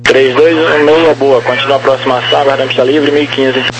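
A man's voice: mid-range voice, level tone, fast. A man giving procedural air traffic control instructions over aviation radio. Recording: noisy radio with mains hum.

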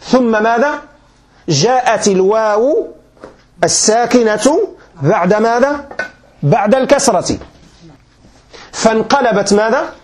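Male teacher, Moroccan accent, high pitch; patient classroom lecturer who quizzes students often. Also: lively intonation, unhurried, long pauses. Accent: Moroccan Arabic. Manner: quizzing listeners with frequent check questions; patient, repeats and restarts points. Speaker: sheikh teaching grammar.

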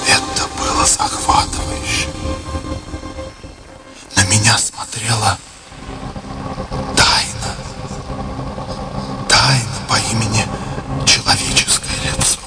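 A man's voice: lowish voice, steady tone, slow pace, gravelly, long pauses, loud music behind the voice. An actor playing an exuberant, romantic and dreamy male painter in a radio drama, with theatrical delivery. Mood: hushed, dreamy.

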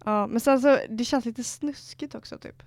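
A woman's voice: fairly high pitch, no room sound. A young woman, co-hosting a casual podcast chat, giggly and swearing as she tells stories. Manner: giggly, swearing, animated storytelling. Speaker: podcast co-host.

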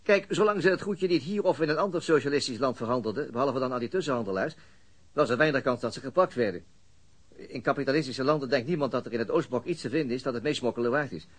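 A man's voice: mid-range voice, lively intonation, fast talker, slightly rough. A man acting a weary, middle-aged police detective in a radio drama, explaining things methodically with small hesitations. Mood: matter-of-fact.

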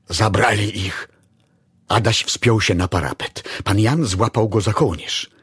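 A man reading a story aloud in a dramatic, expressive style. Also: fairly low pitch, husky, no room sound, studio quality. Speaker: narrator. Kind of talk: audiobook story narration.

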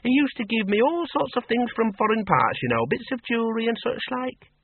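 A sharp, blunt older farm woman, as a male reader puts her on, her voice pitched high and swinging widely. It comes through husky and dry, with a thin phone-line sound. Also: very animated, no room sound, full character voice. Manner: brisk, quick to jab with questions. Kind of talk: audiobook character voice.

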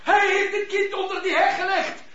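A woman playing an excitable, hysterical servant in a radio drama. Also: normal speed. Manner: shrill, excitable, mixes in French phrases. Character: hysterical French servant Bonbon, shouting and accusing. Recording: muffled, echoey, noisy old radio recording.

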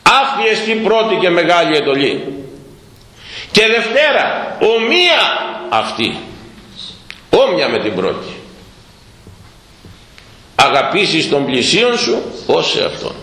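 A man's voice: a little high, long pauses, roomy sound, big-room sound, rough recording. A man preaching a sermon, asking his listeners rhetorical questions and acting out everyday dialogue. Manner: animated, rhetorical questions, acts out imagined dialogue.

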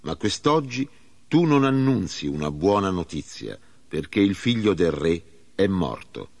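A man voicing a stern male army commander in a grave, measured reading. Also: deep voice, sing-song, full character voice.

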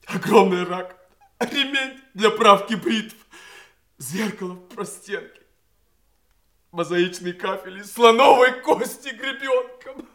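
An actor playing a sensitive, anguished grown son, apologetic and halting, in an emotional audio stage drama. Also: male voice, high-pitched, bright, forceful tone, full character voice. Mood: agitated, overwhelmed.

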